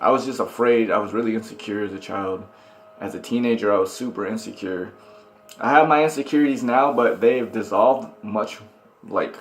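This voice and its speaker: Over noticeable background noise, a man mumbles with long, frequent pauses. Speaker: vlogger. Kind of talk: casual vlog monologue. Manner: mumbling; halting, self-interrupting.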